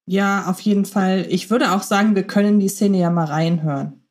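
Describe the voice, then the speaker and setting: A woman's voice: medium pitch, fairly even intonation, normal speed, a little mellow. A woman co-hosting a podcast, talking through her thoughts in casual analytical chat, with frequent filler sounds and hesitations. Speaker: podcast co-host.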